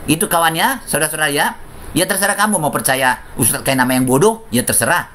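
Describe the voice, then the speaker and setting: Female commentator, scornful and sarcastic, fairly low pitch, faint background noise. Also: fast, fairly bright tone. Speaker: commentator rebutting a debate clip.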